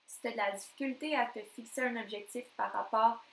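Québécois woman coach, solo podcast, energetic and emphatic, slightly high voice, echoey room. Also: a little fast, gravelly. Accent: Québécois French. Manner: energetic, emphatic, repeats phrases for effect. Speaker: NLP coach.

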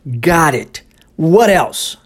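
Husky-voiced man teaching English phrases. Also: a little high, expressive. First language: Portuguese. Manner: explains slowly, repeats English phrases for learners to copy. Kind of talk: podcast English lesson for Portuguese speakers.

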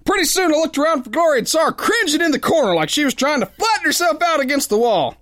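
A man's voice: very high voice, big pitch swings, quick pace, fairly bright tone, no room sound, clean studio sound, full character voice. A man playing a big, boastful, gullible boxer who tells his tale in slangy, ungrammatical tough-guy talk for a pulp radio play. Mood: narrating. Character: big brawling boastful soft-hearted gullible male boxer, slangy narrator.

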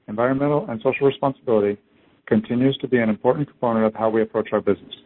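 A man reading a scripted business presentation as a company executive on an earnings conference call. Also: lowish voice. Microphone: conference call phone line. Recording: narrow tinny phone-line audio.

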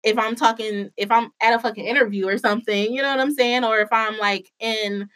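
A woman's voice: a little high, fairly even intonation, a little fast, a bit bright, rough recording. Candid African American woman chatting casually. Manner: informal and candid, peppered with swearing. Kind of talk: casual chat.

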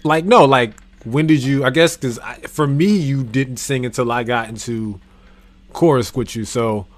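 A man's voice: medium pitch, moderate pace. A man hosting a casual interview, talking in an informal, slangy, joking way. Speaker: podcast host, interviewer. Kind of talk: casual chat.

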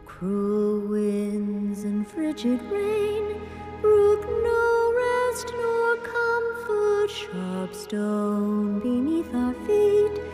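A woman's voice: very high voice, lively intonation, very slow, exaggerated voice. A woman playing a crew member in an audio drama, singing a solemn old folk ballad. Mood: mournful, soaring. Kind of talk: slow sung ballad. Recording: long echoing reverb, music behind.

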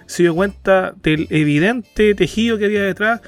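A man's voice: high-pitched, soft background music. A Chilean man co-hosting a casual comedy podcast, slangy and mocking. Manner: rapid, slangy, mocking impressions. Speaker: podcast co-host.

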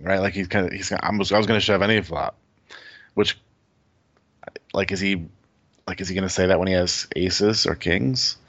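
A man with a fairly low voice talks through a poker hand as a guest. He thinks out loud, hedging often with "like" and "I think." The audio is dry and a little dull. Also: dry recording. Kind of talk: casual strategy analysis.

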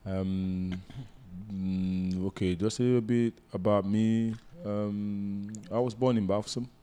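Deep-voiced hesitant man in his thirties. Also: steady tone, takes it slowly, dark tone, clean tone. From Cameroon. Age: 30s. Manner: hesitant, many fillers and restarts. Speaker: guest entrepreneur. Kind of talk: interview answers.

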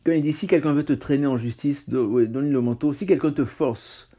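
A man's voice: mid-range voice, brisk, warm tone, breathy edge. A man preaching a casual sermon on scripture, talking conversationally with self-mocking asides and stammered restarts.

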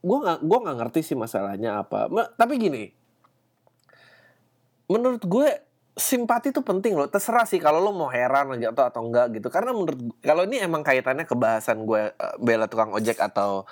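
A man's voice: mid-range voice, very animated, fairly quick. A man hosting a solo podcast, talking in a rambling, slangy, profane way with lots of fillers. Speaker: podcast host. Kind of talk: casual solo podcast monologue.

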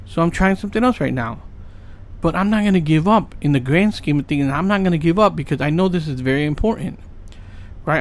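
A man in his late thirties talking casually and earnestly about his goals, rambling with many fillers and asking "right?" often. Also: fairly high pitch. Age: 30s. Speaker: podcast host. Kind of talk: casual motivational monologue.

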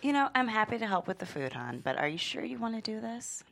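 A woman's voice: fairly high pitch, sing-song, quick pace, vocal fry, a bit bright, heavily acted. A woman playing a sassy, blunt, glamorous trans woman chef in a comedy table read. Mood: coy, sincere.

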